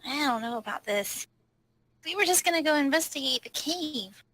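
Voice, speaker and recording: Bright, high-pitched woman gamer. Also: lively intonation, moderate pace, no echo. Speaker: tabletop roleplay player. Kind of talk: casual in-character game talk.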